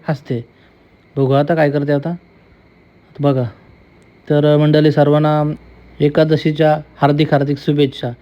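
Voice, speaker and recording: A young man talks through his vlog in a chatty, teasing way, repeating himself as he goes. His voice sits a little high for a man. The audio is dull and lo-fi, as if from a phone. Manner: chatty, teasing, repetitive running commentary. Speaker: vlogger. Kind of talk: casual vlog commentary.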